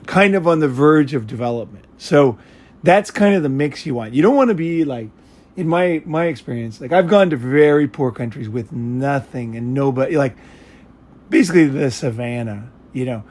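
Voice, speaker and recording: A man's voice: medium pitch, expressive, normal speed, a little mellow. An American man chatting casually in a rambling, blunt way, with frequent swearing. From United States. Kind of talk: casual chat.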